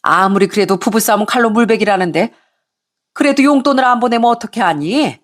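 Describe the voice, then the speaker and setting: A woman voicing an angry middle-aged mother-in-law who scolds and nags in a shrill voice. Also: expressive, natural voice. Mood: scolding. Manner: shrill, scolding, rapid nagging.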